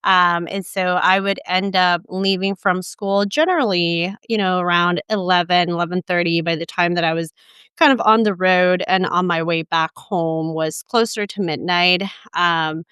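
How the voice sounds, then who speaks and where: Attorney guest, young woman from the Dominican Republic, lower, very clear voice, dry sound. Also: steady tone, fairly bright tone, dry recording. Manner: measured, explanatory, with frequent ums. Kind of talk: interview answers.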